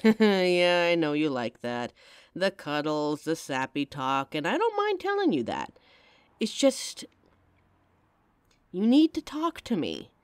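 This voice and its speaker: A woman plays a devoted young girlfriend in an audio roleplay, frank and caring, speaking right to the listener. Her pitch rises and falls a lot as she talks. The sound is dry and close-miked. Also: wildly swooping pitch, slow pace, clean tone, no room sound, exaggerated voice. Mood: tender, reassuring. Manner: speaks straight to the listener, intimate and emotional.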